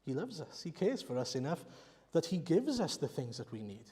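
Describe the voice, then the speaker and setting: A man's voice: a little high, big pitch swings, moderate pace, darkish tone, slightly rough. A man from Wales, a Welsh speaker, preaching a sermon in an earnest, explanatory way and putting rhetorical questions to the congregation. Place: church. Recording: reverberant church hall.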